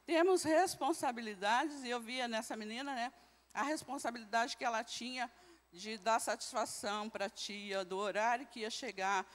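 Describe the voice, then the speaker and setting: A Brazilian woman with a fairly high voice leads a Sunday school class. She keeps questioning the group, tacking a quick tag onto her sentences. Her microphone rings with the long reverb of a church hall. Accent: Brazilian Portuguese. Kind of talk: teaching a Bible class.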